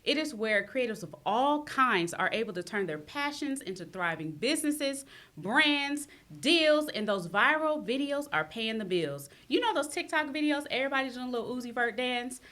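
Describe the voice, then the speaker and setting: A woman's voice: sits high, animated, normal speed, a bit bright. A woman hosting a podcast, introducing her guest in a playful, hype-giving way. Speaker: podcast host. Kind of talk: casual podcast interview.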